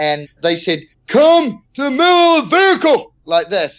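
A man with a New Zealand accent, very slow pace, ordinary pitch variation and a quiet background. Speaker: clown, street performer. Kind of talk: casual storytelling chat.

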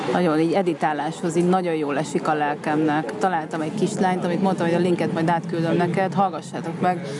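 Heard with audible room echo and noticeable background noise, a woman speaks very fast with hardly any pauses, in a fairly low, monotone, flat voice at very even loudness. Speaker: photographer and podcast co-host. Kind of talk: casual chat.

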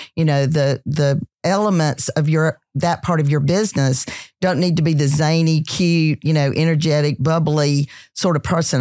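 Speaking with a Southern US accent, a woman has a very deep, low pitch and a dark, mellow tone. She keeps a moderate pace, fairly even intonation and very even loudness. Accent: Southern US (Georgia). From US South, Georgia. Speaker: celebrity chef and entrepreneur. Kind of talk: interview. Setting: studio.

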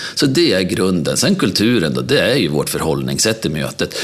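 A man's very deep, low voice with very wide pitch swings at a moderate pace, amid noticeable background noise. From Sweden, Gävle. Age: 60s. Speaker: meetings lecturer. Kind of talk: casual interview.

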